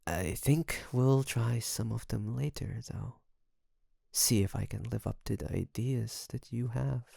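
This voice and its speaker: A man playing an obsessive, doting kidnapper best friend in an intimate audio roleplay, creaky, coaxing and teasing with soft menace. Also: mid-range voice, dry recording, clean studio sound, heavily acted. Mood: smug, teasing. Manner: softly menacing, coaxing, teasing, with drawn-out phrases.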